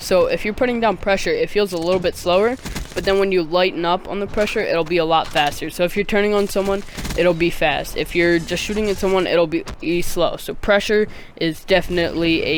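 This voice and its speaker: A man speaks in a high pitch at a moderate pace. Noticeable background noise runs behind him. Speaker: gaming YouTuber. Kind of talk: tutorial. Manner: halting; casual.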